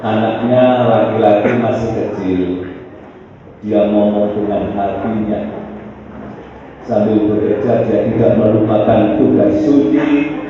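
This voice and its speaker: A man's voice: fairly low pitch, a little slow. A man with a Javanese accent giving a motivational talk to teachers as a trainer, telling stories and putting questions to the audience. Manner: animated storyteller, asks the audience questions. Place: village hall. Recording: echoey hall, far-off dull mic, noisy.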